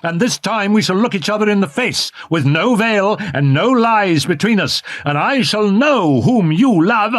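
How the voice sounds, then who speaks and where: A man playing a jealous young lover whose voice climbs high and strained with bitterness. He is husky and dry, swinging widely between anguish and sarcasm, as a storyteller puts him on. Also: expressive, a little slow, fairly bright tone, dry recording, full character voice. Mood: furious, anguished.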